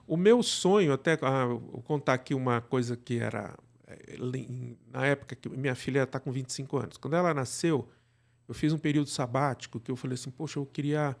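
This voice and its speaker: A man's voice: mid-range voice, a little fast, vocal fry. A middle-aged man with a Brazilian accent chatting casually as a podcast guest, rambling and often checking in with little tag questions. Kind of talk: casual conversation.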